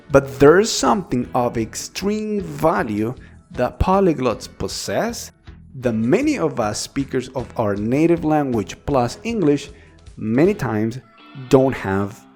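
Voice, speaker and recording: A man whose first language is Spanish, giving an earnest, encouraging English lesson straight to the viewer with animated delivery. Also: mid-range voice. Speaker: English teacher. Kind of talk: direct-to-camera English lesson.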